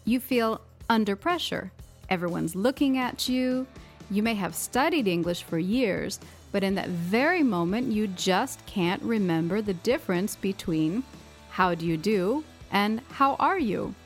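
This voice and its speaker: A woman's voice: medium pitch, expressive, measured pace, faint music behind. Woman co-hosting a podcast. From United States. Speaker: podcast co-host. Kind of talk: English-learning podcast chat.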